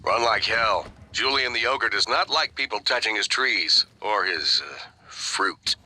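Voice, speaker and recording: A deep-voiced man speaks in hushed, confidential tones. His low voice swings lively and sounds bright and forceful. Faint music plays beneath. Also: measured pace, exaggerated voice. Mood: playful. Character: man of authority, then a playful lover. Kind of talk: video game dialogue.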